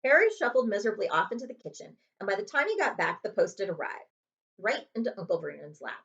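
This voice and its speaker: A woman reads a children's story aloud in a librarian's storytime manner. Her pitch moves in big, animated sweeps with dramatic emphasis, and the recording sounds a little dull and lo-fi. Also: fast talker. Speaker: librarian reading aloud to students. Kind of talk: children's chapter book read-aloud.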